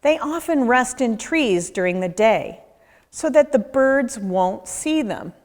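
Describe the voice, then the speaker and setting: A woman narrates a children's nature book at an unhurried pace. Her mid-pitched voice rises and falls animatedly, with deliberate pauses for young listeners. The room adds a long, echoing reverb. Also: expressive. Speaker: nature educator reading a children's book aloud. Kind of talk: children's read-aloud narration.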